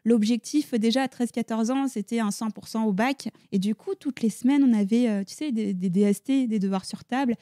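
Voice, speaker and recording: A woman's voice: fairly high pitch, fairly quick, few pauses, dark tone, no room sound, studio quality. A woman in her thirties from France, a clinical psychologist, talking chattily with many fillers as an interview guest in her office. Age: 30s. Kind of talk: casual conversational interview.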